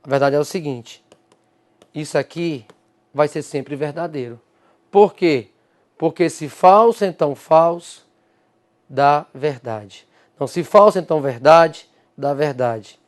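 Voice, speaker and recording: Brazilian male teacher, high-pitched, emphatic. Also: a little slow, pauses often. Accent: Brazilian Portuguese. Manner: answers his own rhetorical questions to an imagined student; emphatic, explains step by step. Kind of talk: recorded exam-prep lecture.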